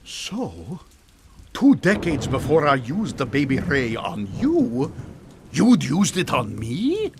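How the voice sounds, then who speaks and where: An actor playing a boastful, theatrical mad scientist in a comic radio drama, with grandiose, drawn-out dramatic delivery. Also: male voice, on the high side, huge pitch swings, gravelly, a little hiss or hum, exaggerated voice. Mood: grave revelation. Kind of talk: melodramatic radio comedy acting.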